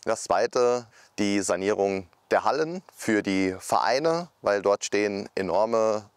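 A man, giving a halting interview statement as a mayoral candidate, with frequent fillers. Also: lowish voice, animated, clean tone, dry recording. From Saarland, Germany. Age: 30s.

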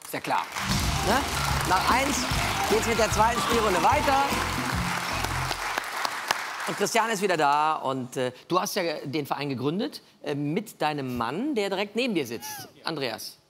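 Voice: medium pitch, wildly swooping pitch, moderate pace, long pauses. A game show host presenting live in a chatty way, putting questions to guests. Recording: music and audience sound behind. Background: music and crowd.

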